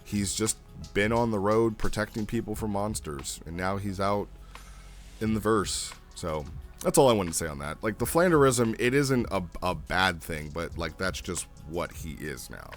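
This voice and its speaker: A man's voice: lowish voice, lively intonation, normal speed, faint music behind. A man giving a casual, off-the-cuff review as a host, thinking aloud and repeating phrases for emphasis. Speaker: host reviewing a text role-play.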